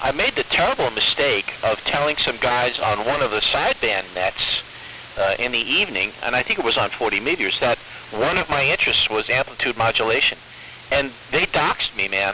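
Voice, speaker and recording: A man with a New York accent talks at a fairly quick pace in a medium pitch, with ordinary pitch variation and very even loudness, over noticeable background noise. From US Northeast (Long Island, New York). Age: 60s. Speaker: amateur radio operator. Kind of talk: casual chat. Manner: halting, many fillers.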